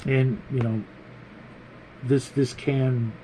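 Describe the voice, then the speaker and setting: A man with a soft-edged, mellow and relaxed voice gives an off-the-cuff opinion monologue. He talks like a casual hobby host, haltingly, circling back and repeating words as he thinks. A little ambient noise sits behind him. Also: medium pitch, poor audio. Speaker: host of a tabletop role-playing hobby show.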